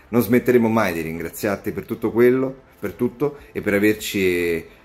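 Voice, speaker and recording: Talking at a fairly quick pace, a man uses a fairly low pitch. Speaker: voice actor. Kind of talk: casual unboxing reaction to camera. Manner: excited, moved. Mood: moved, excited, grateful. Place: home room. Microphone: phone near.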